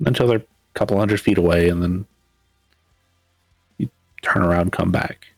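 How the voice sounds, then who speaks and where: A man's voice: low voice, normal speed, no room sound, faint music behind, rough recording. A man narrating a tabletop role-playing game as storyteller, rambling with many fillers. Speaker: game master.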